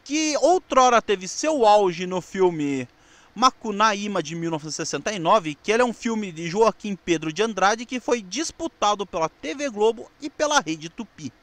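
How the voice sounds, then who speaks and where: A Brazilian man presenting TV history, narrating from notes with casual asides in a halting way, rephrasing as he goes. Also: sits high, lively intonation, a bit bright, no echo.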